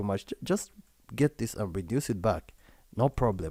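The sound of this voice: A man speaks with fairly low pitch and a dark, mellow tone. His intonation is lively.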